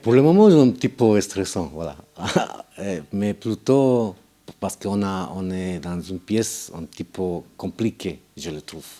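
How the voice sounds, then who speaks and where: A man, an amateur actor, describing his experience in interview, halting and restarting often. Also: sits low, animated, mellow. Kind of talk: interview answers.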